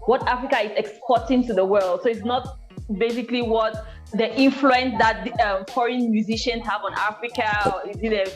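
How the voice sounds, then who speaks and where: Higher-voiced woman hosting, music behind. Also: fairly even intonation, a little fast. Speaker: podcast host. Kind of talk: casual panel discussion.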